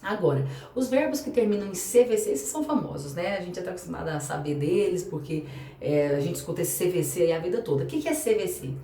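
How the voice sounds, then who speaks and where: A woman's voice: on the low side, lively intonation, fast talker, warm tone. A woman with a Brazilian Portuguese accent teaching English grammar in a chatty way, spelling out letters and asking rhetorical questions. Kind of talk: explaining grammar to an online class. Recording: echoey room, voice a bit far from the mic, faint background hum.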